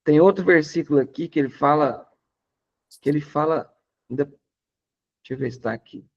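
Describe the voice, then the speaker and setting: A man with a Brazilian Portuguese accent preaching a lively, conversational sermon. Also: on the high side, normal speed, gravelly, highs cut off. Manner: animated, emphatic, conversational preaching. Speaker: pastor.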